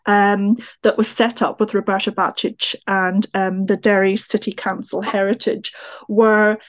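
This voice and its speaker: A woman's voice: medium pitch, flat delivery, measured pace. Thoughtful Northern Irish woman in conversation. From Northern Ireland. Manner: thoughtful, discursive, explanatory. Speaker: guest, textile historian and teacher. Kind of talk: conversational podcast interview answers.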